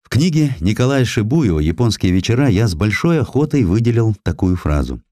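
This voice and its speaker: Deep, mellow male narrator, dry studio sound. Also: sing-song, brisk, no room sound. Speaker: audiobook narrator. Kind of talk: dramatic scripted narration of historical prose. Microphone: close studio microphone.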